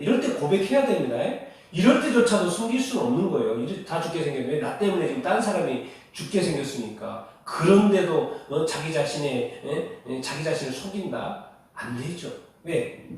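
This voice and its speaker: Man preaching in church, kinda high voice, keeps asking the crowd questions, sounds far off and super echoey. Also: darkish tone. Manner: asks the congregation rhetorical questions, emphatic. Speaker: pastor. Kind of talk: sermon. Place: church sanctuary. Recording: echoey hall, voice heard from a distance.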